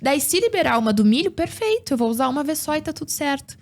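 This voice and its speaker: Speaking fast with big pitch swings, a high-voiced woman, a guest on a casual podcast who works as an agricultural producer, explains her work and frequently tags her sentences with questions.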